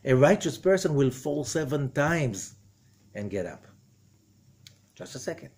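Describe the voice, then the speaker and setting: Husky older rabbi teaching with feeling. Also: male voice, medium pitch, unhurried. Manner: expressive, gestures broadly, quotes figures dramatically. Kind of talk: animated spoken lesson. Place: indoor room with wood paneling.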